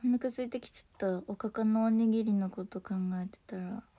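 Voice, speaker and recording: A young woman hosting a casual morning livestream, talking softly and sleepily and often dropping into whispers. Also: on the high side, steady tone, brisk. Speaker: idol livestream host.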